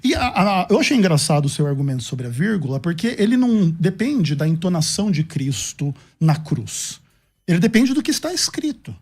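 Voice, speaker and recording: A man giving a measured, formal rebuttal in a theological debate. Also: high-pitched, very animated, a little mellow, slightly rough.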